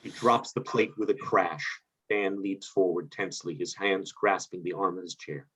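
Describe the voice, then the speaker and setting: A man's voice: sits low, steady tone, normal speed, a bit bright, husky. A man reading stage directions aloud for a play reading held on a video call. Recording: muffled, lo-fi video call audio.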